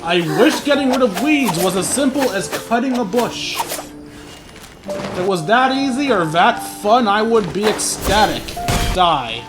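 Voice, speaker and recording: A man's voice: high voice, lively intonation, a little slow. A man giving casual, rambling playthrough commentary with joking asides. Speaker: gaming YouTuber commentating his play. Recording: game music behind the voice. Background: video game music.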